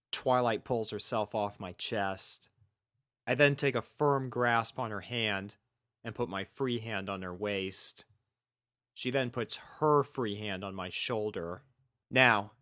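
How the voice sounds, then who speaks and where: Slow, bright-voiced man narrating a story. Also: lowish voice, dry recording, studio quality. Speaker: fan fiction reader and narrator. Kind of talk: scripted first-person story narration, with acted dialogue.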